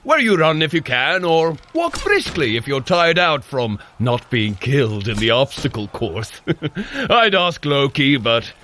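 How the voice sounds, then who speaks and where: An actor playing a boisterous Asgardian warrior god who coaches a mortal through training in a fitness audio drama, with theatrical, archaic, cheerfully bloodthirsty delivery. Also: male voice, mid-range voice, big pitch swings, unhurried, sharp tone, slight background noise. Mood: amused.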